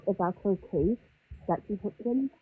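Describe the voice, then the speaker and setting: A woman's voice: medium pitch, lively intonation, moderate pace. Hesitant woman caller whose phone audio sounds muffled and underwater, thin and hissy. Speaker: caller in a live stream. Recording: muffled tinny phone line with loud noise.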